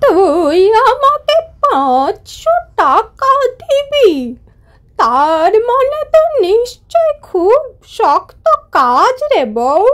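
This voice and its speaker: Using a cartoonish character voice, the woman speaks at a very slow pace with an extremely high pitch and very wide pitch swings. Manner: familiar, haggling.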